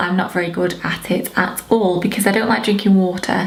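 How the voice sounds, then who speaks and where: Woman with a Northern English accent, medium pitch and monotone, flat intonation, over noticeable background noise. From North West England. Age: 20s. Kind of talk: casual talk to camera.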